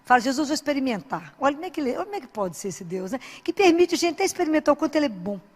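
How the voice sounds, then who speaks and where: Woman, fairly high voice, earnest exhorting preacher, conversational sermon, long hall reverb. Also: sing-song, racing, a little mellow. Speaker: Christian speaker and doctor. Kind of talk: informal sermon with anecdotes.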